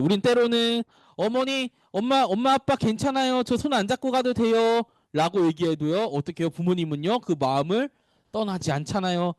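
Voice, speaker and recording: A man who is a pastor, giving an animated, playful sermon to small children and asking them questions as he goes. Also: high voice, no room sound. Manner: playful storytelling.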